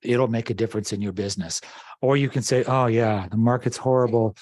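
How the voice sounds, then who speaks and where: A man's voice: medium pitch, fairly even intonation, a little fast, darkish tone, no room sound. A man leading a real estate team meeting, reading headlines off slides and urging agents with upbeat talk. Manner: upbeat, urging, talks to the room. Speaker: real estate office leader.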